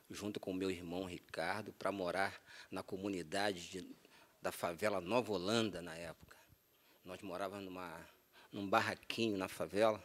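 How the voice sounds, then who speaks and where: Deep-voiced man giving slow earnest testimony. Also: fairly bright tone. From Minas Gerais, Brazil. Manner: slow, earnest storytelling with frequent repetitions. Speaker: interview guest. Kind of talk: testimony in a TV interview.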